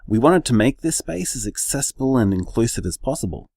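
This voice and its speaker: An actor playing an earnest gay bar co-owner in a radio drama interview, with an Australian accent and an articulate, measured manner. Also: male voice, medium pitch, expressive, darkish tone, slightly rough, dry recording, clean studio sound.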